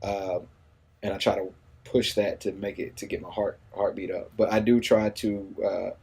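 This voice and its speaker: A man's voice: deep voice, little pitch movement, normal speed, creaky, a little mellow, slightly rough. A man in his forties talking casually in an interview, easygoing and rambling, often saying "you know what I mean.". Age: 40s. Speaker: radio personality and new father.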